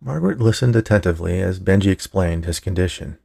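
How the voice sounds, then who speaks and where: A man's voice: deep voice, lively intonation, quick pace, gravelly, mellow, breathy edge. A man narrating a scripted fiction story as a podcast storyteller. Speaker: writer, narrator and podcast host.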